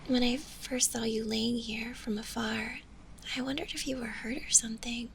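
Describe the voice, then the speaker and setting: A woman voicing a shy, gentle undead zombie girl in an ASMR roleplay, speaking softly and breathily in a hesitant, bashful way, often in a whisper. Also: a little high, fairly even intonation, gravelly, slight background noise. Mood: tentative, gentle. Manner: hesitant, bashful, halting with small giggles.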